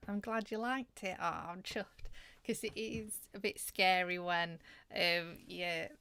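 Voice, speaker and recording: A woman's voice: on the low side, steady tone, takes it slowly, pushed and bright, smooth. A woman hosting a casual, informal chat with her followers. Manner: chatty, informal. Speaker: host, hypnosis audio creator.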